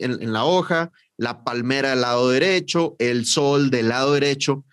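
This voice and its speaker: A man, co-hosting a podcast, telling a story in a lively way and acting out the voices of the people in it. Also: fairly high pitch. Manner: animated storyteller, acts out quoted voices. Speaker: podcast co-host, sales trainer.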